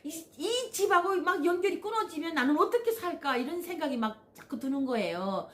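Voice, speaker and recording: A woman's voice: extremely high pitch, expressive, a little fast. A woman from Korea, telling a personal story on her own channel. She talks animatedly, acts out the voices of people she quotes, and often slips in "yes" and "uh" as fillers. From North Korea. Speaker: channel host.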